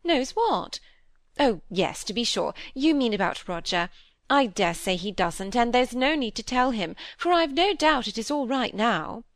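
A woman's slightly high, expressive voice, pushed up, brings to life a vain, chattering middle-aged stepmother in an audiobook character voice. She gushes and fusses, quick to dismiss, with a gushing mood throughout. The recording is dry.

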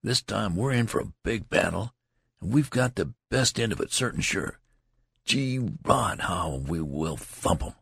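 A man voicing a boastful, touchy young soldier who talks in a rough country dialect, in an audiobook reading. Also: fairly low pitch, expressive, measured pace, fairly bright tone, no room sound, studio quality, pitched above the performer's own voice, heavily acted.

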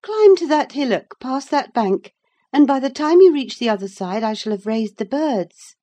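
A woman voicing an excitable young lady, speaking high and pleading. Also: moderate pace. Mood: eager. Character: lively eager girl, young lady of the manor.

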